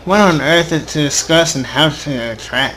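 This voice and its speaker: A man's voice: a little high, moderate pace, pushed and bright, slight background noise. A young adult man hosting a casual gaming video, reading story text aloud informally with offhand asides and the occasional stumble.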